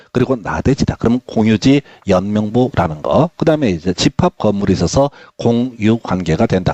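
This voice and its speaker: At a moderate pace, a man with a medium-pitched voice and a dark, mellow tone speaks with lively intonation in a dry, close sound with no echo. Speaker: exam prep lecturer. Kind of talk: lecture. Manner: repetitive.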